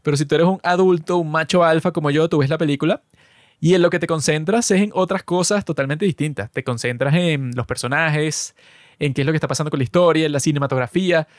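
A Latin American man chatting on a podcast. His voice sits a little high and sounds dry and close to the mic. He jokes and brags with mock seriousness, slipping into slang as he tells stories. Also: fast, no room sound. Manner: joking mock-boastful, slangy storytelling. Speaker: podcast co-host. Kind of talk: casual podcast chat.

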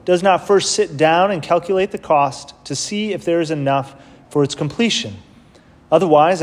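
A man with a somewhat high voice reads scripture as a priest and then talks through his homily in an easy, conversational manner. The words ring out with the long cathedral echo of a large church. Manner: measured reading, then plain conversational preaching with fillers. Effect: cathedral echo, long church reverb. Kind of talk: gospel reading and homily at Mass. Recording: long reverb of a big church.

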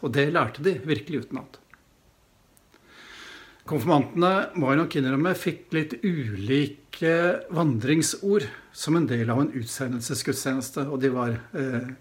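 Middle-aged male pastor, sermon storyteller, reflective, frequent hesitations, slightly high voice.

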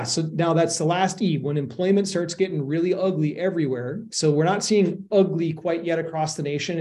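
A man's voice: a little high, a little mellow. A middle-aged man who invests in real estate, earnestly explaining his cautious approach in a casual podcast chat. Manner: earnest, explains with analogies and worst-case caution.

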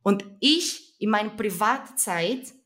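A woman's voice: mid-range voice, expressive, takes it slowly, a bit bright. Earnest woman with a Brazilian accent. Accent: Brazilian Portuguese. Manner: earnest, emphatic, searching for words. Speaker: activist guest. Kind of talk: conversational interview.

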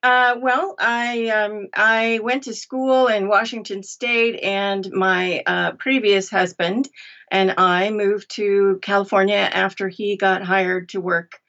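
A woman's voice: mid-range voice, steady tone, slow, a bit bright, dull audio. An American woman from western Massachusetts, chatting casually and telling stories as a podcast guest. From Berkshires, western Massachusetts, US. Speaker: podcast guest, audiobook narrator. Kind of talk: casual conversational storytelling.

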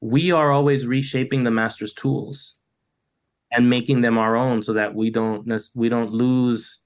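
A middle-aged man talks through his ideas over a video call. His voice sits at an ordinary pitch, and his speech is loose and thoughtful, dotted with "you know" fillers and restarts. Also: fairly even intonation, a little slow, clear, resonant tone. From United States. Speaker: poet, interview guest. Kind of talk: reflective conversational interview.

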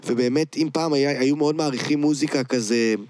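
A man's voice: fairly high pitch, fairly even intonation, darkish tone, no room sound. A man with an Israeli accent, a rapper and producer being interviewed, chatting casually in slang sprinkled with English words. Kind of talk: casual chat.

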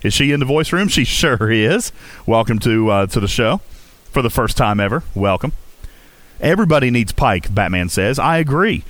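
A man's voice: medium pitch, lively intonation, moderate pace, a bit bright, no room sound. A man from Virginia hosting a casual gaming livestream, chatting to viewers and answering their chat as he goes. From Virginia, USA. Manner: talkative, reads and answers viewer chat, keeps asking "okay?". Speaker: livestream host.

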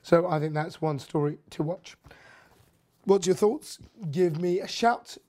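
A podcast host with a husky, hoarse voice, half gone, talking through energy news casually, rambling with lots of fillers and opinionated asides. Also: medium pitch, unhurried, dark tone. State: hoarse, losing voice.

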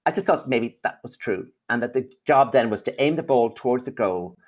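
A man's voice: medium pitch, animated, brisk. Teasing Irish storyteller man. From Ireland. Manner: teasing, playful storyteller with mock outrage. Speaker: guest. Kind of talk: panel chat with an audience.

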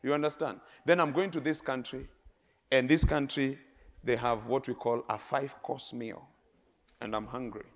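A middle-aged man with a Kenyan accent, preaching a sermon with lively stories, laughing and swinging between soft and loud. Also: medium pitch, moderate pace. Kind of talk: sermon with storytelling.

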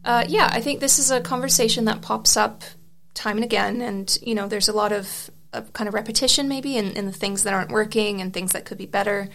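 A young woman whose first language is Serbian is the guest in a conversational interview, the author of an article, explaining her views thoughtfully with frequent restarts and fillers. Her mid-range voice is fairly bright, and she speaks briskly.

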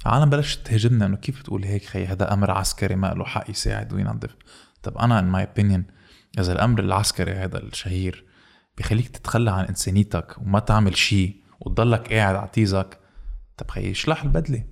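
A man's voice: lowish voice, fast, gravelly. A man with a Lebanese Arabic accent in casual conversation, slipping English phrases into his talk. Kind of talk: casual chat.

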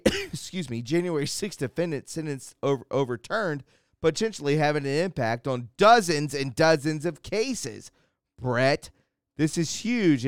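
Crisp-voiced man hosting a live stream. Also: a little high, no echo, studio quality. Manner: loose, rambling, laughs easily, reads news aloud. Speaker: host. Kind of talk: casual live-stream talk show.

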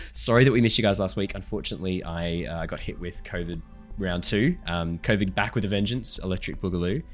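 A man running a tabletop game as dungeon master, slightly hoarse, chatty and apologetic while he sets up the session and reads the recap. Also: low voice, a little fast, soft background music. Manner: chatty, apologetic, laughing between remarks. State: hoarse after illness.

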